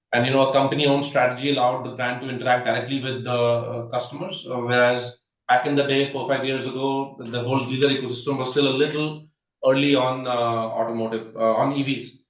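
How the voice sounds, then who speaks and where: A man, an executive presenting quarterly results on a conference call, speaking haltingly and filling his pauses with many "uh"s and restarts. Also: medium pitch. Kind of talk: earnings conference call commentary. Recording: distant, roomy, dull conference call audio.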